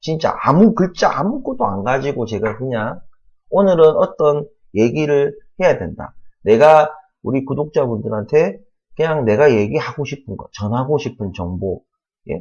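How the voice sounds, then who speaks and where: Fairly high-pitched and somewhat breathy, a man speaks at a fairly slow pace with very wide pitch swings and big swings in loudness. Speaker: stock market YouTuber. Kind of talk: unscripted commentary. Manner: raised pitch, animated; rambling, hesitant fillers.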